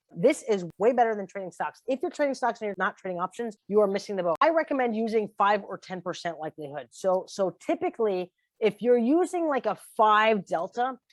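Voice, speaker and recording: In a dry, close sound with no echo, a woman talks fairly quickly with hardly any pauses, her fairly high voice animated and swinging very widely in pitch. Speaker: options trading instructor. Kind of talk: training webinar lecture. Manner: fast.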